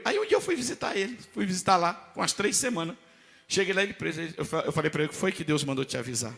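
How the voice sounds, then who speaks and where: A man's voice: fairly high pitch, fairly bright tone, in a large hall. A man preaching a testimony, telling his story emphatically and acting out the other people's voices. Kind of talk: testimony sermon.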